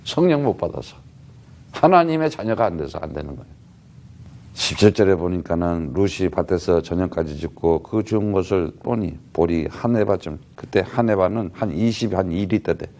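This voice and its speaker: Preaching as a missionary, this man has a low, lively, slightly mellow voice and a moderate pace. His sermon is emphatic yet conversational, addressed plainly to the congregation, with many rhetorical questions and repeated "huh?" tags.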